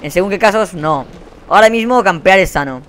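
Ranting young Spanish gamer, high-pitched. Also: male voice, animated, fairly quick, fairly bright tone. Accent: Spain Spanish. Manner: swears often and rants at other players. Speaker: gaming channel host. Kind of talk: gameplay commentary. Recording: faint game gunfire behind.

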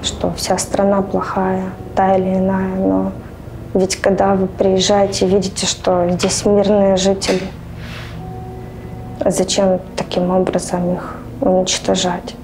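Woman telling what happened, gravelly dark voice, slow and halting. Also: medium pitch, monotone, a little hiss or hum, poor audio. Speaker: interviewee. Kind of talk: emotional testimony.

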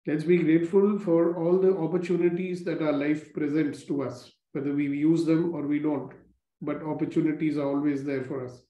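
Calm man guiding a gratitude meditation. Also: on the high side. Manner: slow, calm, repetitive instructions. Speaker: meditation guide. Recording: roomy, dull lo-fi recording.

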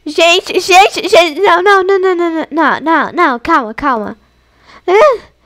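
A young Brazilian woman commentating her own online game for her viewers, excitable and chatty, often squealing and laughing. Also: very high-pitched, normal speed. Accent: Brazilian Portuguese. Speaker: gaming YouTuber.

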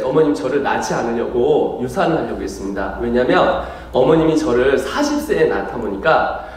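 Lively Korean preacher in an echoing hall. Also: male voice, mid-range voice. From South Korea, Chungcheong region. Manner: joking, then earnest storytelling. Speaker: missionary preacher. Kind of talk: sermon at an evangelistic rally. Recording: echoey hall from far off.

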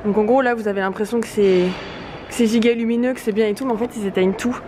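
A woman's voice: on the high side, steady tone, fast. A young woman talking to a handheld camera in a casual, chatty, self-mocking way, laughing often as she walks through a busy convention hall. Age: young adult. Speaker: artist vlogger. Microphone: handheld camera at arm's length. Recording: noisy crowded convention hall. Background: loud crowd chatter.

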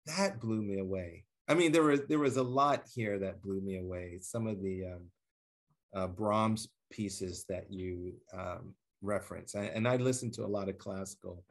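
A man interviewing an author over a video call from his home office, asking thoughtful, halting questions. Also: low-pitched, vocal fry. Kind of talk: conversational interview.

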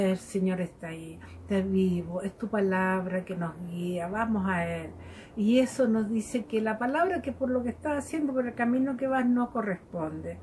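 A woman gives a devotional Bible reflection in a gentle, conversational manner, laughing often. Her voice sits at a middle pitch. A faint noise runs under the recording. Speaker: lay preacher.

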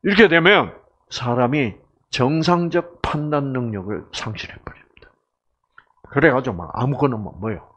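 A middle-aged man giving a lively seminar lecture with jokes. He keeps asking the audience questions and acts out voices and cries. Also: mid-range voice, normal speed, husky, highs cut off. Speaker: health lecturer.

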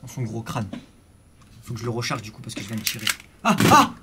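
Young male gaming commentator, jittery, high lively voice, faint background hiss. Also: fairly quick. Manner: jumpy, swings from startled yelling to hushed muttering; French street slang. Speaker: gaming youtuber. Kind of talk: live horror game commentary.

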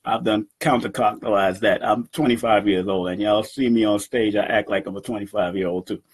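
A man in his fifties talking to his webcam from a room at home, animated and boastful, laughing often as he addresses his community. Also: fairly low pitch, normal speed, husky. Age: 50s. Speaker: event organizer and numerology teacher. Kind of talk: casual talk to camera. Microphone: webcam at desk.

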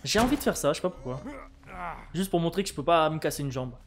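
A man's voice: a little high, animated, fast talker, a little hiss or hum. A French man streaming a game, chatting casually and reading his viewers' chat with wry humor. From France.

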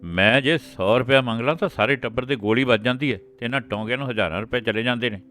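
A man voicing a drunk, angry middle-aged father in an audiobook, threatening and shouting. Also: on the low side, steady tone, normal speed, smooth, faint music behind, close to an everyday voice. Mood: roaring threats.

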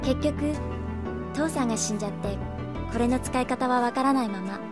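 Woman acting a high-voiced feisty young shop girl. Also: normal speed, over loud music, close to an everyday voice. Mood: wistful, determined. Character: feisty young girl running her late father's shop. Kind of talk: Japanese anime-style audio drama acting.

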